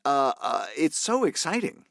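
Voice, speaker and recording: A man, an actor guest on a podcast, talking things through thoughtfully and haltingly. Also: fairly high pitch, sing-song, gravelly, a bit bright, no room sound. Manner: thoughtful, halting, many fillers and restarts. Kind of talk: casual interview chat.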